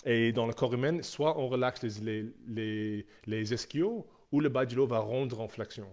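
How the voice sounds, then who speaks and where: A man's voice: mid-range voice, a little slow, a little mellow. Guy coaching strength on a live stream, lots of uh and restarts, medium voice. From Canada. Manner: hesitant, many fillers and restarts. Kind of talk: live Q&A presentation.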